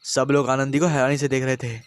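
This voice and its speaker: A man narrating a horror story in a steady, dramatic storytelling manner. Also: mid-range voice, a little fast, clean tone.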